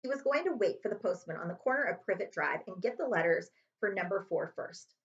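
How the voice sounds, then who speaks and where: A woman reads a children's story aloud in a librarian's storytime manner. Her pitch moves in big, animated sweeps with dramatic emphasis, and the recording sounds a little dull and lo-fi. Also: brisk. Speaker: librarian reading aloud to students. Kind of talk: children's chapter book read-aloud.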